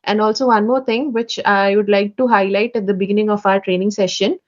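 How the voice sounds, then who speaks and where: A woman leads an online onboarding meeting for interns, polite and hesitant with many fillers, in a training briefing. Her mid-range voice is steady and a little fast, captured over a video call with dull lo-fi audio.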